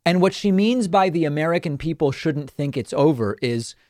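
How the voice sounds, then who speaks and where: Male talk host, mid-pitched, scornful and sarcastic, dry close sound. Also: no room sound. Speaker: political talk show host. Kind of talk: opinionated political commentary.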